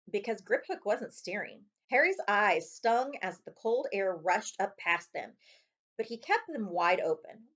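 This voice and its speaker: A woman reads a chapter book aloud in the manner of a librarian's story time. Her pitch sits in a medium range for a woman. The recording is slightly dull and lo-fi, like a simple home setup. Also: a bit bright. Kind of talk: storybook narration, read aloud.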